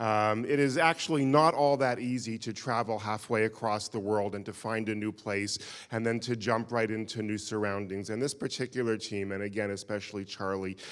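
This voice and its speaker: In a very clean recording with a silent background, a man with a fairly low pitch talks at a fairly quick pace, with fairly even intonation and hardly any pauses. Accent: New York. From US, New York. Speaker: visiting lecturer. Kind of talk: lecture. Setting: hall with live audience. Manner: halting.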